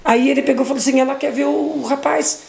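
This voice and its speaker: Gravelly-voiced woman telling a testimony. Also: fairly even intonation, fast talker, darkish tone, reverberant. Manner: retells dialogue, repeats words, voice leaps high in emotional moments. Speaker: mother giving a testimony. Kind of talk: emotional spoken testimony.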